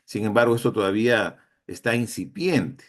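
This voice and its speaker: A man with a fairly low voice gives a conference lecture. He talks in a hesitant way, with frequent fillers and restarted phrases. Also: normal speed.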